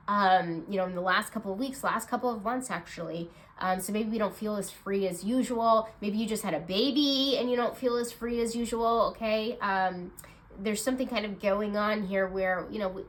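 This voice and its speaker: A woman doing a casual card reading chat, with a stuffed-up nasal voice. She is bubbly and chatty, uses lots of fillers, and has bursts of excitement. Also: medium pitch. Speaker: intuitive card reader.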